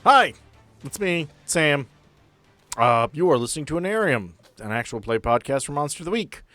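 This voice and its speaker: A man's voice: on the high side, big pitch swings, moderate pace, a bit bright, no room sound, soft background music. Casual male game master, very dry sound. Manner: informal, bantering. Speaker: game master and podcast host. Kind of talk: casual group chat and introductions.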